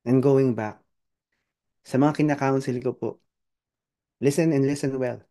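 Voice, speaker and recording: A mellow, darker-toned man with a Filipino accent delivers a sermon in dramatic waves. He moves between Tagalog and English, stretches out key phrases, and jumps up into acted voices. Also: steady tone. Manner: dramatic swings in pitch and volume, slows down on key points. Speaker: preacher.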